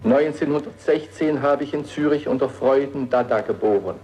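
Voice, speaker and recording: Male actor as older artist, dreamy poetic recital, mellow voice. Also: mid-range voice, normal speed, natural voice, rough recording. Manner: dreamy, playful declamation. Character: Hans Arp, older male artist musing on nature. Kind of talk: dramatic reading of poetic texts.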